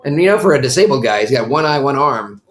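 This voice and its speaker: Lively chatty father hosting a stream. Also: medium pitch, fast talker. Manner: chatty, enthusiastic, reads and answers viewer comments. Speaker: channel host watching a show with his kids. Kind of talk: casual chat over a live stream.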